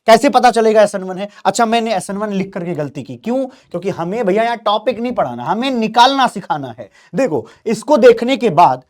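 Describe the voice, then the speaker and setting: A man teaching chemistry in an exam-prep lecture, animated, prodding students with questions and speaking for the molecules in first person. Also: high voice, fairly quick, few pauses. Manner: acts out molecules in quoted first-person voices.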